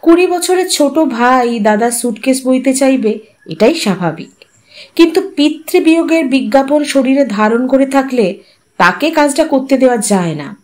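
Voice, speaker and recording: Calm woman reading a story aloud. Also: high-pitched, normal speed. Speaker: story narrator and channel host.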